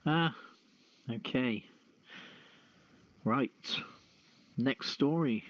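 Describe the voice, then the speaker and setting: Podcast news host: male, measured and halting, casual commentary, dry low-fidelity streamed sound. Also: dry recording. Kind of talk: casual news commentary mixing reading and chat. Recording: dull, lo-fi streamed audio.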